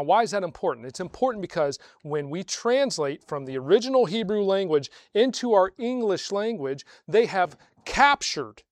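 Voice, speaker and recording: A man preaching a sermon to a congregation, asking rhetorical questions and slowing down to stress key phrases. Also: on the high side, no room sound, clean studio sound. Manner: swells louder on key phrases, slows for emphasis. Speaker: pastor.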